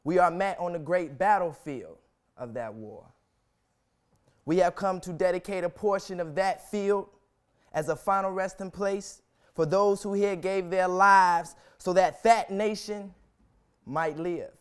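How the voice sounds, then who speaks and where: A young man reciting a historic speech as solemn, dramatic oratory, with deliberate, emphatic phrasing and long pauses. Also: sits high, clear, resonant tone. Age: young adult.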